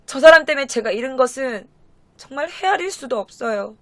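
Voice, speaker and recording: Brief: a scared young woman pleading through tears, as a woman storyteller puts her on, voice rising and lively. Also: high-pitched, a little fast. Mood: tearful. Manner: tearful, pleading. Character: frightened tearful young woman victim pleading in court.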